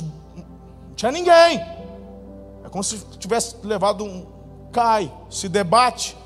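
A male pastor preaching a sermon, telling a testimony dramatically, his voice swinging between loud bursts and hushed moments. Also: extremely high pitch. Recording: reverberant hall with faint music.

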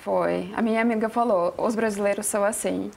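Her voice mid-range, gravelly and darkish, this talk show guest speaks fairly quickly with fairly even intonation. She's a fashion designer from Russia's Ural Mountains, answering in a second language with a Russian accent and hunting for words in the TV studio.

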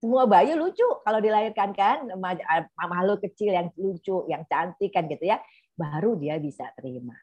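A middle-aged woman, a clinical psychologist, explaining to an audience in a lively way and acting out other people's voices. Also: medium pitch, normal speed, husky. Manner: lively, acts out clients' voices.

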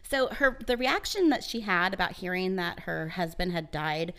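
A woman's voice: lowish voice, moderate pace. A woman co-hosting a podcast, casually retelling a true crime story with many fillers and acted-out quotes. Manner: relaxed, uses many fillers, acts out quotes.

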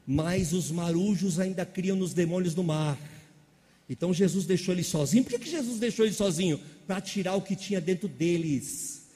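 A man's voice: sits high, mellow, in a large hall. A man preaching a sermon, calling out questions to the congregation. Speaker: pastor.

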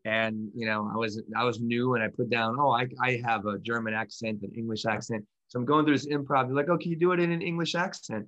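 A man's voice: medium pitch, level tone, fast talker, hardly any pauses, a bit bright, highs cut off. A man in casual podcast conversation, his voice sitting in a middle register. He rambles, restarts his sentences and laughs often as he talks. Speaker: podcast co-host and meditation teacher.

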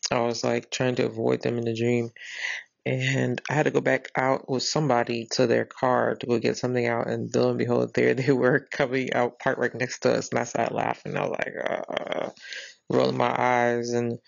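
A woman's voice: extremely low pitch, completely flat delivery, normal speed, gravelly, no echo. A woman, hosting a podcast and retelling a dream in a rambling, earnest way with lots of fillers and restarts. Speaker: podcast host. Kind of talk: casual spoken retelling of a dream. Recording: dry, slightly dull lo-fi recording.

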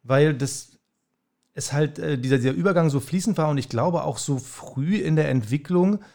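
Zögernder Mann im lockeren Podcastgespräch. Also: male voice, on the high side, normal speed, vocal fry, dark tone. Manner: hesitant, searching for words, many fillers. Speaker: podcast co-host. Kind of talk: casual chat.

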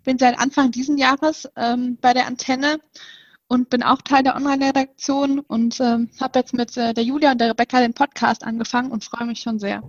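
A woman's voice: high voice, fairly even intonation, moderate pace, no room sound, lo-fi sound. A woman in her twenties co-hosting a podcast, hesitant, with many fillers. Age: 20s. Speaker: podcast co-host. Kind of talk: casual podcast chat.

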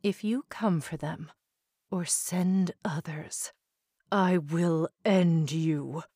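A woman voicing a cursed female gorgon with snakes for hair, speaking soft, low and menacing. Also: drawn-out words, breathy edge, no echo, clean studio sound, full character voice. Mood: threatening.

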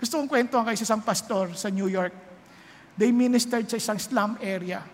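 A woman preacher giving a sermon, telling a story with animated swings between loud exclamations and hushed tones. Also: medium pitch, brisk. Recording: long hall reverb.

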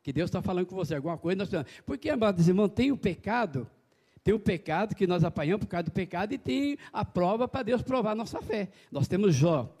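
High-voiced preaching man. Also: fast, breathy edge. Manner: folksy, animated preaching with calls to the congregation. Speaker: pastor. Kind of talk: evangelical sermon.

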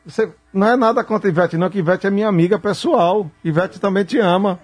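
A man's voice: high voice, fast, breathy edge, soft background music. A man, a singer's manager telling stories in a casual interview and acting out the voices of people he quotes. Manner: animated, acts out quoted voices.

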